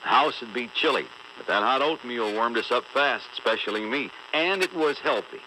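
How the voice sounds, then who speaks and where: Male actor as homespun, stubborn old oatmeal pitchman, bawdy radio parody, deadpan delivery, clearly noisy audio. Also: normal speed, natural voice. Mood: folksy, earnest.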